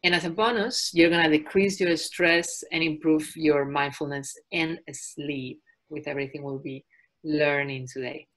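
A woman in her forties from Spain with a Spanish accent, presenting a fitness webinar as a trainer and health coach in a calm, soft-spoken way. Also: low voice, normal speed.

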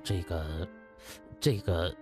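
A man voicing a hesitant, evasive male hospital director in an audiobook, speaking haltingly. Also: sits low, faint music behind, pitched below the performer's own voice.

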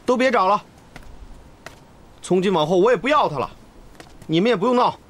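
A man's voice: high voice, animated, fairly quick, fairly bright tone. A young actor playing a spoiled, stubborn young nobleman in a period TV drama. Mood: petulant. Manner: petulant, defiant.

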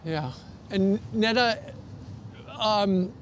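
A high-voiced American man in his sixties hosts a live news interview. His delivery is conversational and halting. City noise sits behind him in the open air. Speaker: TV news host interviewing guests. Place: outdoor rooftop terrace in a city. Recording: outdoor live broadcast, clear background noise.

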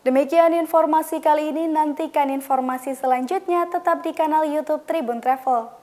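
A young woman presenting travel news in a steady, even read-aloud delivery. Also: high voice, brisk, soft background music. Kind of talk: scripted news narration. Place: television studio.

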